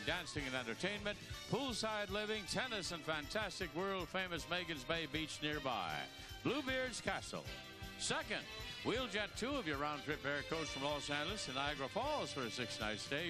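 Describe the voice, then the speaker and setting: A man with an American accent announces game show prizes in a booming, excited style. His voice sits high and moves in big, animated swoops, stressing the selling words. Loud music plays underneath. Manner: excited, emphatic salesmanship.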